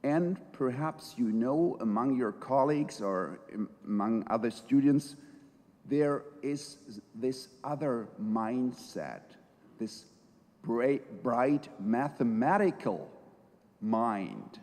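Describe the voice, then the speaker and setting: A middle-aged man, a judge speaking at an academic conference, talking slowly and thoughtfully with many pauses and fillers. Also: mid-range voice, lively intonation, darkish tone. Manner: slow, thoughtful, hesitant with fillers. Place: large lecture hall. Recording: reverberant lecture hall.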